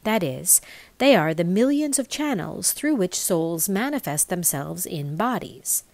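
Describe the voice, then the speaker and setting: A woman reading a scripted explainer aloud as a voice-over narrator, with measured enunciation. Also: lowish voice, lively intonation, no echo. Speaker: voice-over reader.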